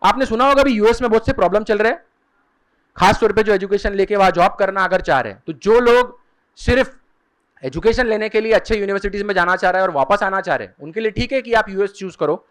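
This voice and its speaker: A man with a fairly high voice lectures a seminar audience on study options. He explains step by step, slowing down to spell out and repeat the key terms. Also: a bit bright. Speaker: career guidance speaker. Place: seminar hall.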